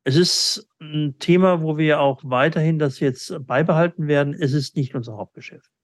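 A middle-aged man answering business interview questions reflectively, often pausing in mid-sentence as he talks. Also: on the high side, dry recording, studio quality. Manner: halting, with frequent pauses mid-sentence. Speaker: interviewee, company owner and sales agent.

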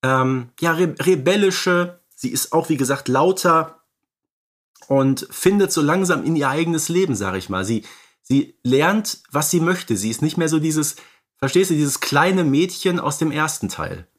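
A man's voice: fairly high pitch, animated, a little slow. A man co-hosting a podcast, discussing films casually and conversationally, often checking for agreement. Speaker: podcast co-host.

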